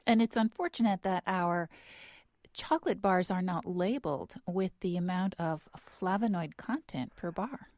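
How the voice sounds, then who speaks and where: A woman's voice: lowish voice, normal speed, darkish tone, dry recording, clean studio sound. A woman co-hosting a radio interview, prompting the guest with friendly tag questions. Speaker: radio show co-host.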